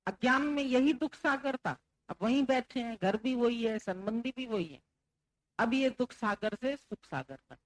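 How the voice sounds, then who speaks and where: A woman's voice: a little high, lively intonation, measured pace, no echo, poor audio. A woman spiritual teacher giving a devotional sermon, talking conversationally and acting out the people she quotes. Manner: conversational, acts out quoted speech.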